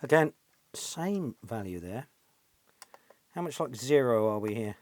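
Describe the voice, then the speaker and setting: A man's voice: mid-range voice, animated, unhurried, a little mellow, no room sound. A middle-aged British man giving casual hands-on repair commentary, thinking aloud and often tagging questions onto his remarks. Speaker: repair channel host, electronics technician. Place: small cluttered indoor electronics workshop.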